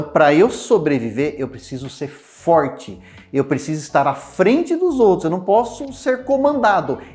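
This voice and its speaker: A man with a Brazilian Portuguese accent, explaining personality types in an expressive talk, acting out everyday examples as he goes. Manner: expressive, swings pitch widely, acts out examples. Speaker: enneagram teacher.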